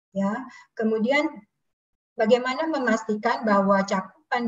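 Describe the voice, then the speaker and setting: Somewhat breathy, a woman speaks at a moderate pace. Behind her the background is quiet. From Indonesia. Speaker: social security council member. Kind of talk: presentation. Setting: video call. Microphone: video call.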